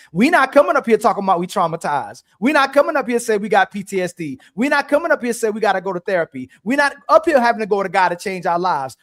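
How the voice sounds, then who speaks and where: Fast-talking high-voiced man arguing. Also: a bit bright. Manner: interrupts, repeats phrases to hold the floor. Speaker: podcast host. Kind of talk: heated debate.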